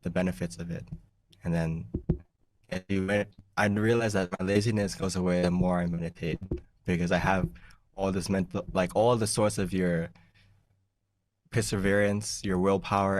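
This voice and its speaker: A young man, a monk who grew up in the United States, giving an easygoing meditation talk on a video call, often laughing and clearing his throat. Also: deep voice, steady tone, fairly quick, no echo, recorded from a distance. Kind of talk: relaxed teaching talk over a video call. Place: small plain room indoors. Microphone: large desk mic in front of him.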